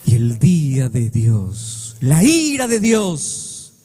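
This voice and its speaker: A man preaching a sermon as pastor, with impassioned delivery that swings from high sung cries to low, drawn-out words. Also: huge pitch swings, dark tone. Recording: long reverb of a church hall.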